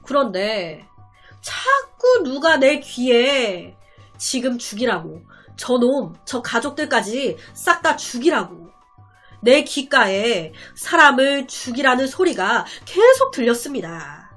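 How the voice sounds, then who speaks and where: A woman's voice: sits high, big pitch swings, slow, a bit bright, faint music behind, exaggerated voice. A woman voicing a brazen male killer. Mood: flat, eerie. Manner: defiant, matter-of-fact confession.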